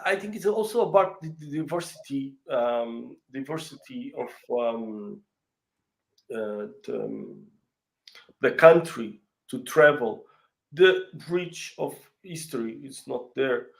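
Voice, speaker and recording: A man's voice: mid-range voice, big pitch swings, creaky, low-quality recording. A man with a Portuguese accent, a native Portuguese speaker, chatting on a video call and stopping often to search for his words. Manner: halting, searching for words, frequent fillers and restarts. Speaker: real estate company country head. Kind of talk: casual interview chat.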